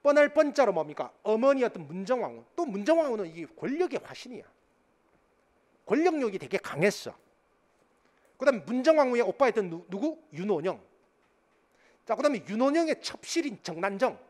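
A middle-aged male lecturer with a fairly high voice that swings widely up and down. He talks into a handheld mic in a lecture studio, and he keeps throwing rhetorical questions at the class before answering them himself. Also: very animated, a little fast, pauses often, a little mellow. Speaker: history lecturer. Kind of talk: exam-prep classroom lecture. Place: lecture studio in front of a green board. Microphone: handheld microphone.

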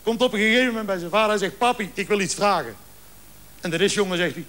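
High-voiced man telling jokes. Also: quick pace. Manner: lively storyteller acting out dialogue. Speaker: joke teller. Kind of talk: stand-up joke telling.

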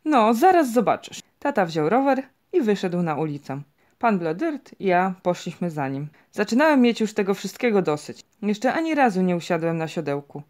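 A woman narrating a children's storybook audiobook in a lively, expressive way. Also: lowish voice, normal speed. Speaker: audiobook reader.

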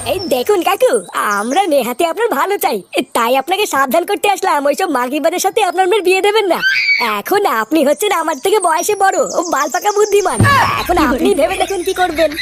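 A very high, animated cartoon voice of a scornful male troublemaker. He talks fast and crudely, indignant and insistent, with music playing behind him. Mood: indignant, warning. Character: scornful, foul-mouthed male troublemaker out to spoil a wedding. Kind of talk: Bengali comedy cartoon dub.

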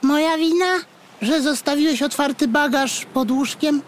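A man voicing a cheeky little male rodent with a squeaky, reproachful, grumbling voice in a storybook. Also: moderate pace. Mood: reproachful, mocking.

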